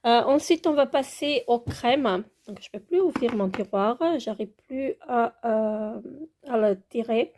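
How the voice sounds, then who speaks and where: A French-accented woman does a casual show-and-tell of her skincare products for her beauty vlog, moving as she handles them. She talks at a measured pace in a voice on the high side with a darkish tone, hesitantly and with many filler sounds. A little hiss or hum can be heard.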